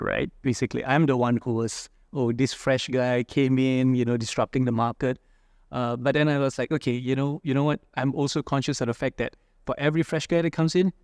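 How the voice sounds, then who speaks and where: Gravelly-voiced man from Indonesia, reflective. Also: medium pitch, darkish tone, dry recording, studio quality. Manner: reflective, many fillers and "right?" tags. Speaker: entrepreneur guest. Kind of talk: casual interview talk.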